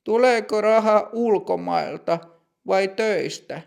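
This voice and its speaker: Strict older female bank teller, put on by a man; raised pitch, gravelly, precise, for a storybook lesson. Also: a little mellow. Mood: stern. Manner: slow, precise, formal.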